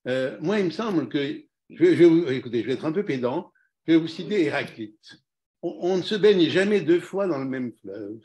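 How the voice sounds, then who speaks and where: A man's voice: a little high, lively intonation, a little fast, mellow. A man giving a reflective comment in an academic discussion on language and psychoanalysis, with hedging fillers. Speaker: lecture discussant.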